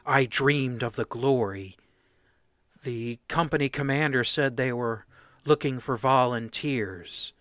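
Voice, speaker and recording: A man playing a shaken, nervous mercenary foot soldier who gives halting, stammering testimony in a radio play. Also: medium pitch, a bit bright, no echo, clean studio sound. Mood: haunted recollection. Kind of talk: radio play dramatic monologue.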